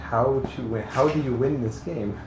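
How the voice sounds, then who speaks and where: A man hosting a casual live tabletop game stream, explaining rules in a halting, flustered way. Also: mid-range voice, a crowd in the background. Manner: halting, flustered delivery with repeated false starts. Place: echoey room with several mic stands. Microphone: stand mic. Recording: echoey, dull room recording with faint noise.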